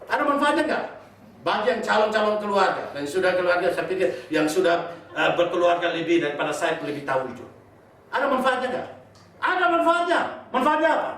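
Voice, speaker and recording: A man's voice: sits high, big pitch swings, fairly quick, fairly bright tone. A man preaching a sermon as pastor, joking and putting questions to the congregation. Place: church hall. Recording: echoey hall, mic at a distance.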